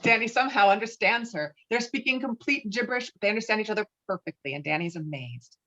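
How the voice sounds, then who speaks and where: A woman's voice: mid-range voice, lively intonation, fast talker, a bit bright, highs cut off. A woman reading stage directions as scripted narration for a virtual table read, recorded over an online call. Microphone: online call microphone.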